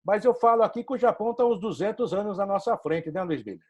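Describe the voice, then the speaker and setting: A male host with a Brazilian Portuguese accent chats on a sports talk show. His voice sits a little high, and he builds his opinions in long, fluent stretches. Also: lively intonation, fast talker, a little mellow, dull audio. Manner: opinionated, flowing commentary. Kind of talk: casual interview chat.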